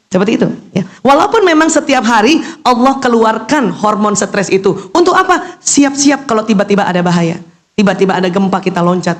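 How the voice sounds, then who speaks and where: A middle-aged woman giving an animated religious lecture to women, posing questions and answering them herself, with a teasing manner. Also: on the high side. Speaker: Islamic lecturer and doctor.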